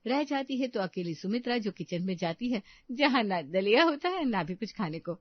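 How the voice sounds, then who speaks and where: A woman narrating a cartoon story in an even, storybook manner. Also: a little high, normal speed, no room sound. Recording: dull dry studio audio.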